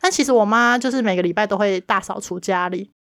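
A woman with a Taiwanese Mandarin accent, co-hosting a podcast in casual chat and telling a story with lively acted-out dialogue. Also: medium pitch, fast talker, dry recording, studio quality. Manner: lively storyteller, acts out her mother's lines. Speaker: podcast co-host.

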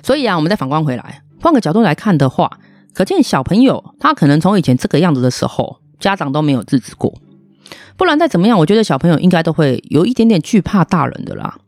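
A woman's voice: sits low, very animated, fast talker, a little mellow, no room sound. A woman, a podcast host telling a story in a blunt, indignant, ranting way. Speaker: podcast host, restaurant owner. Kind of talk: casual storytelling monologue.

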